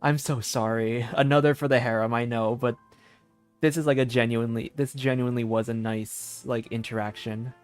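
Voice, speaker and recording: A man live-streaming a video game with casual, slangy, excitable reaction commentary, often repeating his phrases. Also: mid-range voice, moderate pace. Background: game music.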